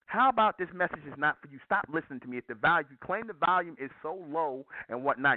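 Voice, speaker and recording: A man talks at a very fast pace in an animated tone, his pitch fairly high. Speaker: religious movement leader. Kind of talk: sermon. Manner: loud, raised voice.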